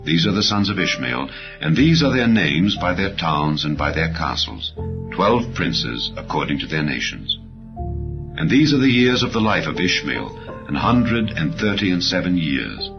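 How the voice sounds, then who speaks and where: A man reading scripture as an audiobook narrator, in a solemn, measured manner with phrases that fall at the end. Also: low voice, very animated. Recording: slightly dull audio under clear music. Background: background music.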